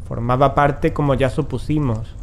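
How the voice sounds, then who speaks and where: A man playing a grave, determined occult investigator in a horror audio drama, speaking in a solemn, measured way. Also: medium pitch, steady tone, a little hiss or hum, close to an everyday voice. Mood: grave, ominous.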